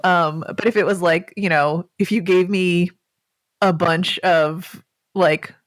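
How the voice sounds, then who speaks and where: A woman's voice: lowish voice, fairly even intonation, slow, no room sound. A woman hosting a podcast, asking thoughtful questions in a casual chat full of fillers. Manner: thoughtful, uses many fillers. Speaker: podcast host.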